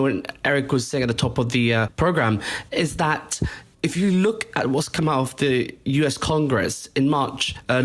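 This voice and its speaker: A man in the middle of a panel discussion, laying out what he found in his reporting. His voice sits at an ordinary middle pitch, and he talks in a measured, explanatory way with frequent small fillers.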